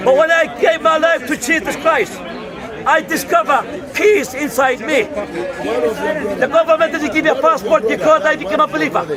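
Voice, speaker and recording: A man with an extremely high pitch speaks in a raised, projected voice at a moderate pace, with ordinary pitch variation and long, frequent pauses. Crowd noise sits in the background, and room echo is audible. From Kurdistan. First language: Kurdish. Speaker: street preacher. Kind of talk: street preaching. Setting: outdoors in a public park. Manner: impassioned.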